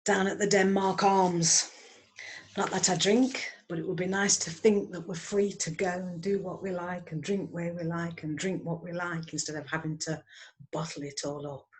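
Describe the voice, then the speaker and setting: A woman's voice: lowish voice, steady tone, normal speed. A woman in her fifties reading her own punning poem aloud with a wry delivery, over an online call. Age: 50s. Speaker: poet. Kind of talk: poetry reading. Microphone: online video call.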